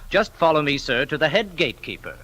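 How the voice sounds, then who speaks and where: A young man playing a polite, gentle immigration clerk in a 1950s radio play. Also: fairly high pitch, big pitch swings, fast talker, very noisy. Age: young adult.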